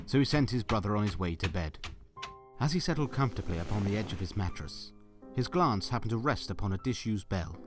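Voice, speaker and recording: Male narrator for audio drama, lower-pitched voice, scripted storytelling over soft music.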